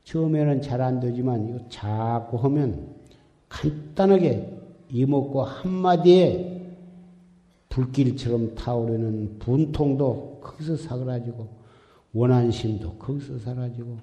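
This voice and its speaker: A man's voice: medium pitch, unhurried, dark tone. A man giving an exhorting Buddhist sermon as dharma teacher, recorded in a temple hall. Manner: exhorting, repetitive, admonishing. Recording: echoey hall with long reverb.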